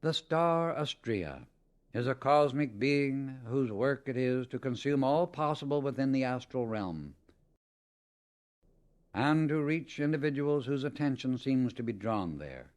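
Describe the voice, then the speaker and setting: Reading a scripted spiritual lesson like an audiobook narrator, a mid-pitched male voice sounds expressive yet solemn and measured. He puts firm weight on important words.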